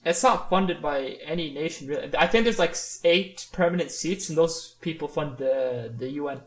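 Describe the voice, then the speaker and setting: A man co-hosting a casual podcast chat, talking in an animated, opinionated way with lots of "like" and "right?". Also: on the high side, normal speed, roomy sound. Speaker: podcast co-host.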